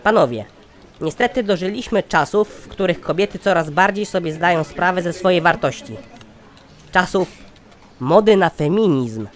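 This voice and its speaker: A man's voice: high-pitched, animated, normal speed. A man voicing a pompous, sardonic company chairman in a satirical cartoon, speaking formally. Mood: concerned, sardonic. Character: pompous, exasperated male company chairman, scheming boss.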